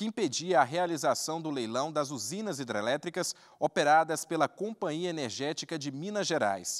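Against a quiet background, a man speaks in a fairly high voice at a moderate pace. His intonation is lively. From Brazil. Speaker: news presenter. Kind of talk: news reading, scripted court news report. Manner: formal, even and steady, brisk broadcast delivery; neutral and impersonal, with precise legal wording. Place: hall. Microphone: handheld.

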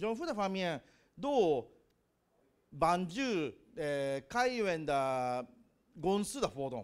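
Against a quiet background, a man with a Japanese accent speaks very slowly in a high pitch, his voice swinging very widely up and down. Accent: Japanese-accented Mandarin. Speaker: open source community organizer. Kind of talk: conference talk. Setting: stage with audience. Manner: halting. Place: hall.

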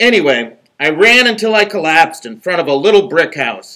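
This is reading aloud in a natural voice with lively intonation. The background is quiet.

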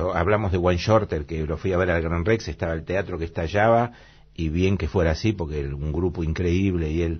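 A somewhat breathy man with a very deep, low pitch, a fairly quick pace and a quiet background. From Argentina, Buenos Aires area; Argentina. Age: 70s. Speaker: saxophonist; guest. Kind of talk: radio interview. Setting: radio studio. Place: studio. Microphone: studio mic.

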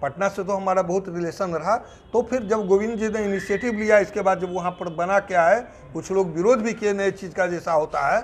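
With light background noise, a man speaks at a high pitch and a moderate pace. His intonation is fairly even. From Bihar, Araria district (Forbesganj); Bihar, India. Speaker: doctor and medical professor, organisation founder; interviewee. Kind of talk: interview. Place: home room. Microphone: lapel.

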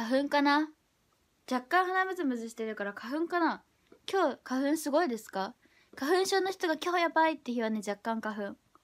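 A woman speaks with a high pitch and very wide pitch swings. Her pace is moderate, and the background is quiet. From Niigata, Japan; Japan. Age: 20s. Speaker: live streamer. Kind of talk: live stream chat reading viewer comments. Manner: cheerful, laughing often. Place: home room. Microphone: phone near.

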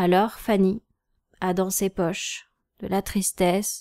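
Speaking at a very slow pace, a woman uses a medium pitch and a soothing, gentle tone. The sound is dry and close, with no echo. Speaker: hypnotherapist and storyteller. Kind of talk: hypnosis-style storytelling for children, told as a calm bedtime tale. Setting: video recorded to camera. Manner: slow, soothing, gentle, soft-spoken; warm, direct address to the child.

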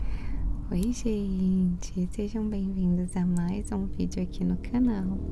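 Soft-spoken and relaxed, a woman talks at a very slow pace with lively intonation, in a dry sound with no echo over light background noise. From Brazil. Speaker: ASMR content creator and beauty expert; ASMR content creator. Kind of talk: casual talk to camera, ASMR vlog. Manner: soft-spoken, relaxed.

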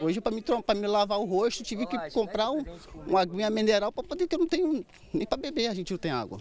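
In a dry recording with no echo and light background noise, a man speaks very fast with a high pitch and very wide pitch swings. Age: 40s. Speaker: local resident interviewed. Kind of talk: street interview complaint. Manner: animated, exasperated. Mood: frustrated complaint. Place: street. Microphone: handheld.

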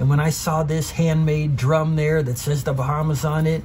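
A man with a fairly high pitch talks at a moderate pace. Noticeable background noise can be heard. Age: 40s. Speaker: YouTuber reviewing comics and collectibles. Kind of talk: casual show-and-tell video. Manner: animated.

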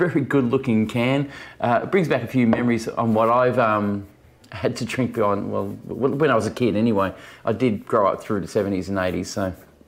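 Faint music sits in the background. A man speaks at a moderate pace with ordinary pitch variation. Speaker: beer reviewer. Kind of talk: casual review chat. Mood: cheerful, laughing. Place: home room.

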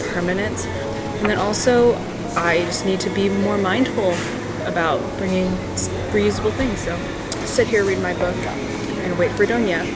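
Over music in the background, a woman talks at a moderate pace with long, frequent pauses. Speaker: student vlogger. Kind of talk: casual vlog chat. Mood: relaxed, reflective. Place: cafe. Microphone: camera far.

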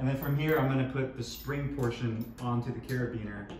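A man speaks at a fairly quick pace with fairly even intonation, with audible room echo and light background noise in the recording. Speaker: home gym equipment reviewer. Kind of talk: tutorial. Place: garage. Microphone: camera far.

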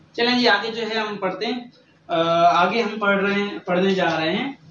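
A man speaks with a high pitch and ordinary pitch variation. Audible room echo and light background noise surround his voice. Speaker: chemistry teacher. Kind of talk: lecture. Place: home room.

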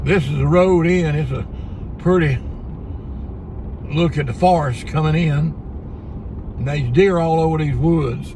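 Against noticeable background noise, a man talks at a moderate pace with long, frequent pauses and fairly even intonation, the sound dry with no echo. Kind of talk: casual vlog narration. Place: car. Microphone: phone near.

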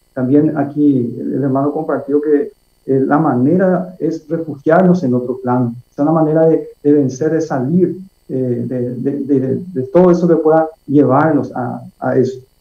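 With audible room echo, a man speaks at a fairly slow pace. His pitch is fairly high for a man, and his intonation fairly even. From Paraguay. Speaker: speaker. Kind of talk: sermon. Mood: devout, earnest. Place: home room. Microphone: video call.

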